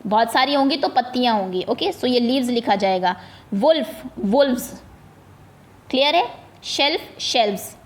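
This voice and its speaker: A woman's voice: fairly high pitch, expressive, normal speed. Hindi-speaking woman teaching English grammar. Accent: Indian English. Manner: patient, repetitive explanations with frequent check-ins. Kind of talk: classroom lesson for primary students.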